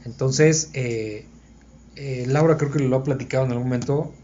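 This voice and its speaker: A man's voice: mid-range voice, normal speed, dark tone, slight background noise. A man leads a conversational Bible study for a small group. He thinks aloud and keeps checking that his listeners are following. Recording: dull lo-fi recording.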